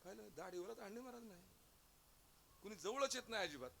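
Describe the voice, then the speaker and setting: A high-pitched, fast, animated male voice with vocal fry and a slightly bright tone comes through with a little hiss or hum. He's a kirtan preacher with a Marathi accent, delivering a devotional sermon full of humorous storytelling, dramatized dialogue, and bursts of chanting.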